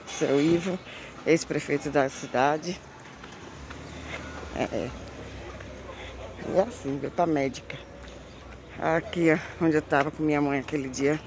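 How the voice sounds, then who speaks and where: Female market vlogger, Bahian accent, slow and repetitive short call-outs, handheld phone with clear outdoor noise. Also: low voice. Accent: Bahian Brazilian. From Bahia, Brazil. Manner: repetitive, pointing things out with short exclamations. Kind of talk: casual handheld market tour. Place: street and large open-sided covered market. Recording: noisy outdoor street and market ambience.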